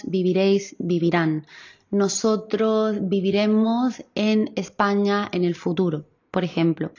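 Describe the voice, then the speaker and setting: A woman from explains grammar in a very measured, unhurried way, spelling out each example. Her voice sits at a middle pitch, and the recording sounds a little muffled. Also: darkish tone. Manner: slow, careful, clear explanation with examples. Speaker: Spanish teacher. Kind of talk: grammar lesson.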